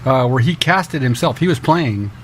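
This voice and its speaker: 50-something guy, pitch jumps all over, laughs a lot, light hiss. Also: moderate pace. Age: 50s. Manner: laughs often, animated. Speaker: podcast co-host. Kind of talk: casual podcast chat.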